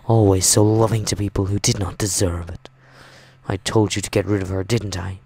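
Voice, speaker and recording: A man voicing a possessive, mocking mother in a visual novel, with cloying, drawn-out endearments. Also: low voice, level tone, warm tone, slight background noise. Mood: scornful. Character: possessive, mocking, sinister mother figure, a grown woman. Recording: music behind the voice.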